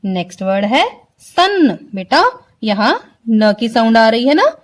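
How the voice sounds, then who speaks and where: A woman teacher giving a slow online vocabulary lesson to children, explaining words one by one and often checking that they understand. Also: fairly high pitch, very animated. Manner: slow, explains word by word, keeps asking if clear. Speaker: school Hindi teacher.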